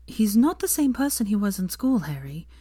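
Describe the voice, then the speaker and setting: A woman reading the lines of a young woman who is a patient but prickly friend, speaking in a brisk, earnest way. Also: mid-range voice, sing-song, dark tone, slightly rough, no echo, clean studio sound, voice pushed up. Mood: earnest, annoyed.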